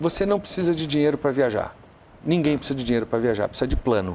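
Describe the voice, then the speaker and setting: Using a plain, everyday voice, a man speaks at a fairly high pitch with lively intonation. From Rio de Janeiro, Brazil. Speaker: travel enthusiast, former consultant. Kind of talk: talk show interview.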